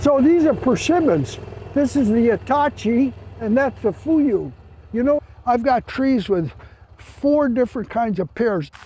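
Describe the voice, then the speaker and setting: Speaking fairly slowly with very even loudness and lively intonation, a man with an extremely high-pitched voice is heard over noticeable background noise. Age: 90s. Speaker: off-grid farmer. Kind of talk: casual chat.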